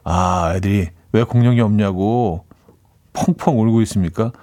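A man's voice: lowish voice, moderate pace, mellow. Chatty male radio DJ reading messages. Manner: chatty, laughs often, mimics dialect playfully. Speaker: radio DJ host. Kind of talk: casual radio chat reading listener messages. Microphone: studio microphone.

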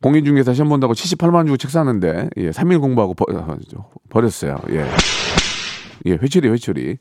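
A man's voice: medium pitch, sing-song, fairly quick, dark tone. A middle-aged man hosting a radio talk show, chatting playfully in a repetitive, joking way and reading out listeners' messages. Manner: chatty, playful, repetitive, slips into mock voices and sung bits. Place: radio studio. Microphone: studio microphone.

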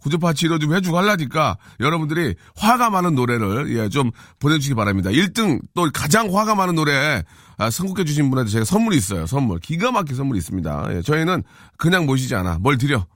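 A man hosting a radio show in casual, joking talk, reading listener messages and sponsor lists, with sudden loud outbursts. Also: on the high side, sing-song, quick pace, no room sound, studio quality.

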